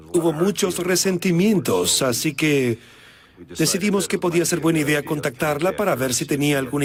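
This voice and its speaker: A man, an investigator, recounting a case in a documentary interview, reflective and pausing with fillers. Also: a little high.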